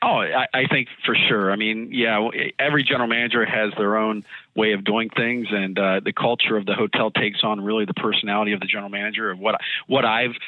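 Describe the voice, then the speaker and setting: Over noticeable background noise, a man talks very fast in a monotone, flat delivery at a fairly low pitch. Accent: northern US. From northern US. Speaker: hotel general manager. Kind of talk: interview. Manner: many fillers and repeated words.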